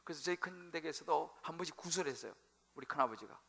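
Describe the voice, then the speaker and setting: Bright, high-voiced male pastor preaching. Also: quick pace, gravelly. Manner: animated storytelling, acting out quoted voices. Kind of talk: sermon. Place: church sanctuary.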